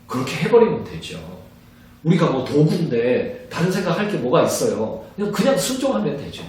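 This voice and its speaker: A man, a pastor, giving an evangelism training lecture in an animated way, acting out little conversations as he teaches. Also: fairly high pitch, fairly quick. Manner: animated, acts out little dialogues in different voices. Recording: very echoey room, distant mic.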